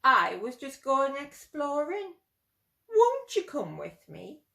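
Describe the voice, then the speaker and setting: Woman as a gentle, unhurried big black cat. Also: high-pitched, huge pitch swings, creaky, heavily acted. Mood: inviting. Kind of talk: children's storybook read-aloud. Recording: roomy echo.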